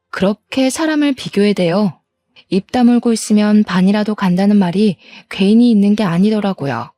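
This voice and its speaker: A woman's voice: mid-range voice, warm tone, no echo. A woman in her thirties reading a first-person story aloud in an aggrieved, complaining tone. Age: 30s.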